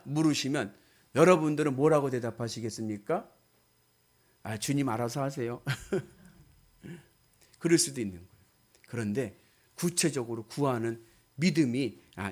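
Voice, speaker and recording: A man preaching a sermon as a pastor, exhorting emphatically and putting questions to his listeners. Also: mid-range voice. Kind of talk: sermon with storytelling and direct questions to congregation.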